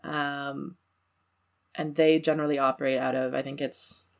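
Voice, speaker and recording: A woman with a low voice and a gravelly edge, chatting casually as a tabletop game player. She rambles, laughs easily, and swears freely. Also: flat delivery, moderate pace.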